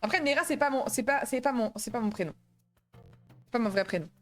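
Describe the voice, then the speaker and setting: A woman's voice: a little high, fairly quick, faint music behind. A young woman streamer chatting casually and laughing with panicky yelps while she plays a game. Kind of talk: casual gaming stream commentary.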